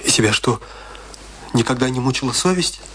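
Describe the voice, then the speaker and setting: An actor playing a troubled, compassionate middle-aged confidant in a radio play, speaking in an earnest, questioning, reflective way. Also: male voice, mid-range voice, expressive, brisk, noisy background, close to an everyday voice. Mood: troubled, searching. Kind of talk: theatrical radio play dialogue.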